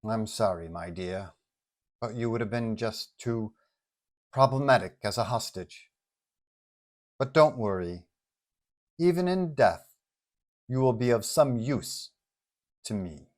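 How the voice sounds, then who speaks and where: A cold villainess crime boss, played by a male narrator, speaks in a hushed, low register. The delivery is deliberate, formal and condescending, full of quiet storybook menace. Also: expressive. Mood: soft menace. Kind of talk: audio storybook villain dialogue.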